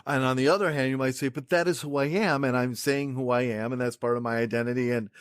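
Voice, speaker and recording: A man's voice: mid-range voice, fairly even intonation, quick pace, clean tone, no echo, studio quality. A man hosting a casual interview, asking long rambling questions full of restarts. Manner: rambling, hesitant with many restarts. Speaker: podcast host.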